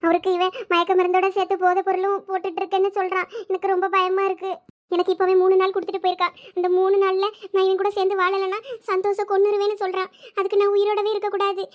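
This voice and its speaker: A captive young wife speaks in tearful, pleading despair in an audio drama, as a woman acts her out. Her voice is very high and quick. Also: monotone.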